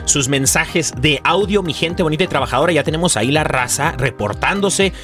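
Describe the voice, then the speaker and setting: Playful Mexican man, lively higher-pitched radio voice. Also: fairly quick, soft background music. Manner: playful joking, colloquial slang. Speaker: radio show co-host. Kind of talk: casual religious radio chat.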